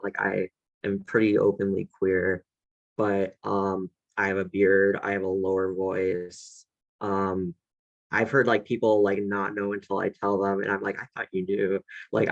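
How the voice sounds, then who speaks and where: A man's voice: on the low side, dull audio. A young man on a student panel, speaking hesitantly with lots of filler words over a video call. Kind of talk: casual panel discussion.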